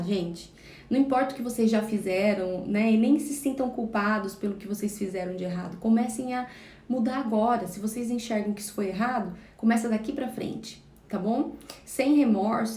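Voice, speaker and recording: A woman's voice: fairly high pitch, warm tone, reverberant. A woman parenting educator giving a live book-study talk, explaining patiently and often checking in with her listeners.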